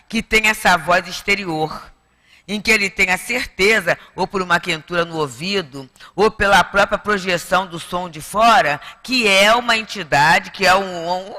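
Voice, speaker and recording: A spiritist lecture is delivered by a woman with a Brazilian Portuguese accent, whose voice is on the low side, bright and forceful, with a long reverb tail. She talks to her audience in the center's lecture hall in a chatty way, with frequent tag questions.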